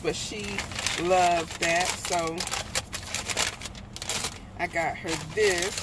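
Chatty woman vlogging over car noise. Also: lowish voice. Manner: chatty, rambling, with frequent ums and self-corrections. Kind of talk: casual shopping haul vlog. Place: store then parked car with air conditioner on. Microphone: handheld phone at arm's length. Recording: noisy phone video in a car. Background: car and street noise.

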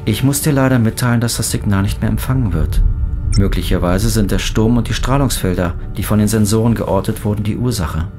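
Man playing a deep, measured male ship computer. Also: music in the background, lightly acted. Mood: calm, caring. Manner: formal, precise, measured. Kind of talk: German sci-fi audio drama acting.

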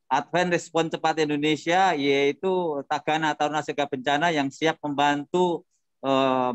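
An older man speaking at a seminar over a video call, casual talk with lively storytelling. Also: fairly high pitch, clear, resonant tone, no echo. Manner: lively storytelling with acted quotes.

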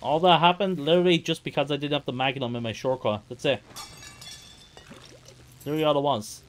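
A man's voice: fairly high pitch, steady tone, a little fast. A man giving casual live gameplay commentary as a speedrunning streamer, talking to himself in repetitive, sweary bits.

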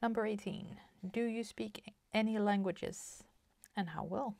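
Soft-spoken Swedish woman, slow and gravelly. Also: medium pitch, steady tone, no echo. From Sweden. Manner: soft-spoken, slips into whispers, many fillers. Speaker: crafting channel host. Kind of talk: casual chat while crafting. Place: home craft table, indoors.

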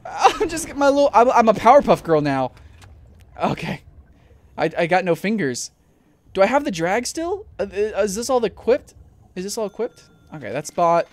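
A man's voice: high-pitched, sing-song, moderate pace. Jumpy young man commentating gameplay. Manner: jumpy, swears, frequent panicked shouts. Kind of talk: let's play commentary.

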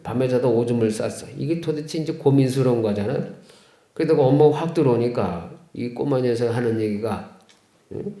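A Catholic priest gives a homily in a folksy, questioning way and keeps turning to the congregation for replies. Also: male voice, medium pitch, brisk, mellow. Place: chapel of a care center. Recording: echoey room.

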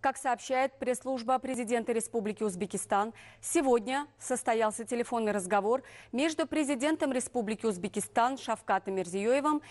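Woman newsreader, slightly high voice, official and measured, reading formal bulletin copy. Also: darkish tone. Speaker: news reader. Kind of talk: formal scripted news narration.

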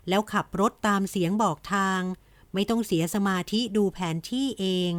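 A woman narrating a romance audiobook in an even, gentle storytelling manner. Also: mid-range voice, no room sound. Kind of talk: scripted romance novel narration.

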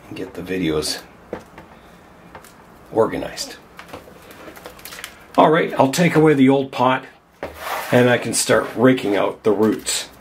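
An older man talks his way through a repotting job in a glass greenhouse, his voice hoarse as he gets over a cold. He speaks at an ordinary middle pitch, thinking aloud in an easy, chatty way. A faint hiss sits under the camera-mic recording. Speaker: bonsai channel host. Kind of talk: casual hands-on demonstration.

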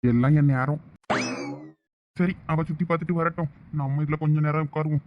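Male actor as devoted young husband, high voice, emotional, muffled village drama audio. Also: fairly even intonation, brisk, very noisy, close to an everyday voice. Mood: grumbling. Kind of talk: village web-series acting.

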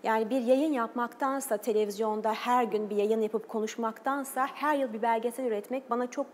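A woman's voice: a little high, fairly even intonation, fairly quick. TV guest, woman, earnest, hesitant fillers, long studio reverb, faint hiss. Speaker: guest, journalist and documentary maker. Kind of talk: TV interview talk.

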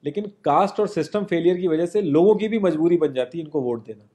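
An earnest young man speaks straight to the viewer in an informal, persuasive monologue. His voice sits a little high but has a warm, mellow tone. He is seated indoors, recorded on an off-camera mic. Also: fast talker. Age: young adult. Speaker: social commentary presenter. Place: indoor home studio, seated.

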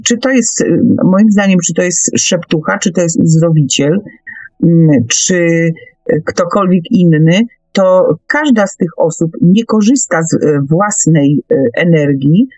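A woman hosting an unscripted radio discussion, giving her views in a halting but emphatic way. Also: on the low side, darkish tone, dry recording. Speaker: radio host. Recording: dull, lo-fi radio call audio.

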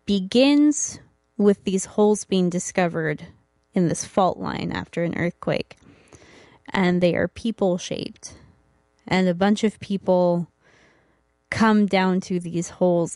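A woman's voice: lowish voice, a little mellow, no room sound, studio quality. A young woman co-hosting a podcast, introducing a comic in a friendly, hesitant way. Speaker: podcast co-host. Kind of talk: casual chat about comics.

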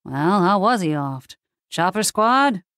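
A woman's voice: mid-range voice, expressive, takes it slowly, fairly bright tone, no room sound, clean studio sound. A woman voicing the ghost of a wisecracking, slangy 1940s male detective in an audiobook. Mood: brisk, slangy. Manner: wisecracking old-time gangster slang. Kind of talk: audiobook character dialogue.

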